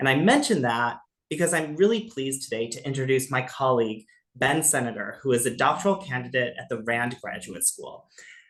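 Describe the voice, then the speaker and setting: The delivery is fairly quick, with lively intonation and big swings in loudness. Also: man, medium pitch for a man. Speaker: research institute co-director and webinar moderator. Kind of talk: webinar introduction. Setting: online webinar. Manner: fast.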